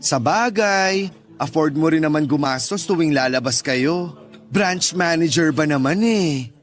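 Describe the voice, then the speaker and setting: A man's voice: a little high, a little slow, natural voice. An actor playing a teasing, loyal young gay man in a Tagalog radio drama, with campy banter. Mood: nosy, teasing. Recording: music bed behind the voice.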